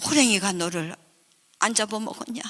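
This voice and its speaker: A woman's voice: mid-range voice, normal speed, a bit bright, close to an everyday voice. Older lady playing her crying country dad, chungcheong accent, echoey hall. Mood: sobbing. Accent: Chungcheong Korean. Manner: pleading, sobbing. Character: tearful rough country father. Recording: reverberant hall.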